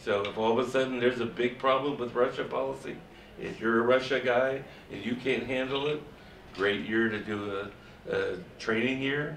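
Over light background noise and with audible room echo, a man talks at a moderate pace with fairly even intonation. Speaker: former diplomat; panelist. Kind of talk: panel talk. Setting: stage with audience. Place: meeting room. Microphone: camera far.

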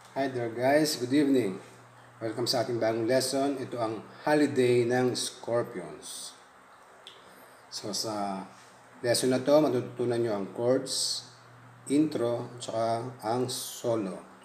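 A man talks at a fairly slow pace with fairly even intonation and long, frequent pauses, over light background noise and audible room echo. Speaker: guitar teacher. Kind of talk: tutorial. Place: home room. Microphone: camera far.

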